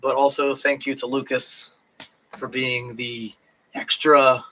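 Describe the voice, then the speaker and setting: A drunk man talking on a late-night live stream from home in Japan, rambling and halting, with lots of fillers and restarts and a voice that is starting to go hoarse. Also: mid-range voice, flat delivery, bright, forceful tone, a little hiss or hum, low-quality recording. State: voice going hoarse.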